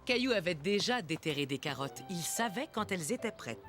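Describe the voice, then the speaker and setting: Expressive woman narrating a children's story. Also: on the low side, brisk. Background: prominent music.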